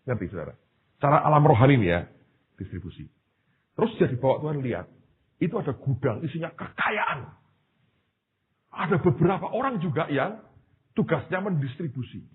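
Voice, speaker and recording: Male pastor, raspy, lively pitch, animated sermon storytelling; tinny lo-fi recording. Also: moderate pace, pauses often. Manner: animated storytelling, addresses the congregation directly.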